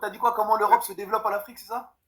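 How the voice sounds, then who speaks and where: A man hosting a live stream who cuts in with quick, casual, brotherly remarks. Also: sits high, little pitch movement, fairly bright tone. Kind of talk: casual chat.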